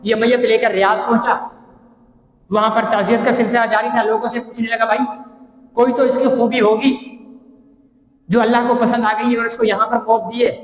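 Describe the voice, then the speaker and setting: A man's voice: very high-pitched, flat delivery, a bit bright. A man with a Pakistani accent preaching a sermon, telling a story and asking the crowd rhetorical questions. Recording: echoey hall with long reverb.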